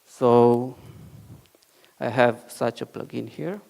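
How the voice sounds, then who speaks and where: A man giving a short conference talk and live software demo, often halting and restarting phrases. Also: medium pitch, fairly even intonation, vocal fry. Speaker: conference speaker. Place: conference hall.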